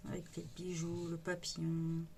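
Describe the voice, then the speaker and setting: Lady showing off a coloring book, excited and chatty, bit of hiss behind. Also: lowish voice, moderate pace, gravelly. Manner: chatty, enthusiastic, many fillers. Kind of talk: casual book flip-through.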